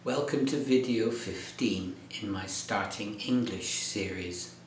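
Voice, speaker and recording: A male English tutor gives scripted lesson instructions in a slow, deliberate, clear delivery. His voice sits at a middle pitch, and the room has a noticeable echo with a faint hum underneath. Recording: echoey room.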